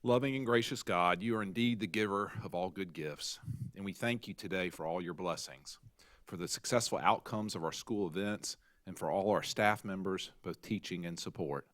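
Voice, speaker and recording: A man on a school board who leads an opening prayer and makes formal motions in a measured, solemn way. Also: deep voice, a bit bright, dry recording, studio quality. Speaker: board member leading prayer.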